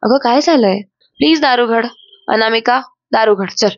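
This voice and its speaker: A woman voicing a worried, gentle mother-in-law coaxing someone at a door. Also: a little high, normal speed, dry recording, natural voice. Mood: anxious coaxing. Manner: anxious coaxing. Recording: dull, dry voice-over.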